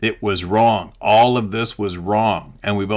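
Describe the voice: Fairly even intonation across plain reading aloud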